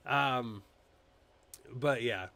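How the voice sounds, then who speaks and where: A man's voice: medium pitch, extremely slow, gravelly. A man hosting a casual political live stream, chatting loosely with fillers and restarts, poking fun at public figures. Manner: animated, mocking impressions, frequent fillers and restarts. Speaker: political commentary host.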